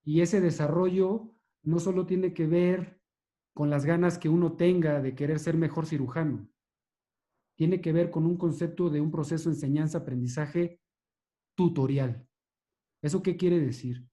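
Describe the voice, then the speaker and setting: A man, a neurosurgeon giving a measured, explanatory lecture and answering questions, with hesitations and restarts. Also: fairly high pitch, fairly even intonation, dark tone.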